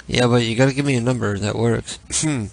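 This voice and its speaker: A man's voice: medium pitch, moderate pace, gravelly, a bit bright, slight background noise, poor audio. A drunk man hosting a late-night call-in show, rambling, giggling and crude. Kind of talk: casual late-night chat.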